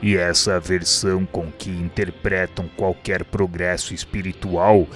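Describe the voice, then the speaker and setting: Slow, deep, solemn spirit mentor. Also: male voice, little pitch movement, soft background music. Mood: grave, explanatory. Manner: solemn, formal, didactic. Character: grave wise male spirit mentor teaching a pupil. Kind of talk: radio drama acting.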